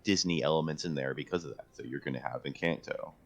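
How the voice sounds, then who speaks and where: Very deep, gravelly man. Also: quick pace. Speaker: podcast co-host. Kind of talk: casual chat.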